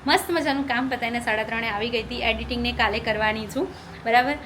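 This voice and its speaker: Chatty high-voiced young woman vlogging. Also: steady tone, fast. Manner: chatty, keeps checking in with viewers. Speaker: family vlogger and mother. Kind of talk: casual vlog chat to viewers. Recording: noisy phone vlog recording.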